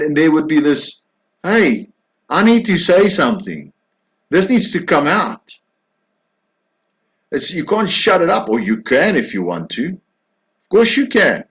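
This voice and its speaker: A man preaching a sermon, emphatic, swinging between loud insistence and soft hushed tones. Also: on the high side, poor audio.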